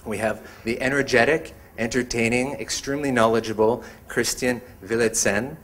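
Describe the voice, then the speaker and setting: A man hosting an evening talk, introducing the speakers in a measured way. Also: mid-range voice, fairly even intonation, a bit bright. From Montreal. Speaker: event host introducing speakers. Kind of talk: event introduction.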